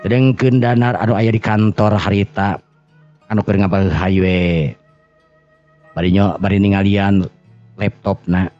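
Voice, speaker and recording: A man with a very low voice and a Sundanese accent narrates a tale in an informal, oral way. He halts, repeats and corrects himself as he goes. The recording is dull and lo-fi, with music underneath. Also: mellow. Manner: halting, repetitive, self-correcting. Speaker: storyteller. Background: background music.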